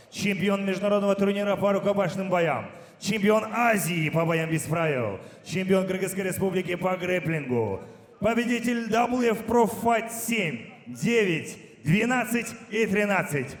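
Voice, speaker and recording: A man working as a ring announcer, booming out fighter introductions in a declamatory way and stretching names into long shouts. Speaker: ring announcer at an MMA event. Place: large indoor fight venue, over a PA. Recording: echoey hall with long reverb.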